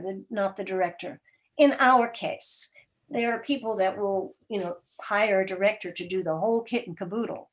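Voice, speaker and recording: Woman producer explaining her craft thoughtfully. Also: medium pitch. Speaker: radio drama producer, interview guest. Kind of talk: explanatory panel interview talk.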